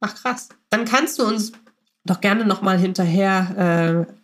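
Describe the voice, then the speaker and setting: A woman's voice: medium pitch, unhurried. A woman hosting a podcast, casually moderating and putting questions to her guests. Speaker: podcast host.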